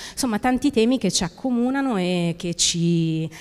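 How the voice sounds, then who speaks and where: A woman's voice with a Milanese accent. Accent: Milanese accent, noticeable. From Milan, northern Italy. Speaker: history of science professor; conference speaker. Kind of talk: conference welcome speech. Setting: conference hall with audience. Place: classroom. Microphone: handheld.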